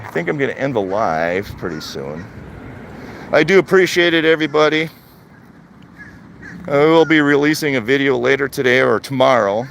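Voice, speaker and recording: Out walking in a retirement community, an older vlogger from Wisconsin chats casually with his live stream viewers. He talks plainly, circling back to his points, in a fairly low voice with vocal fry. The recording carries a little hiss or hum.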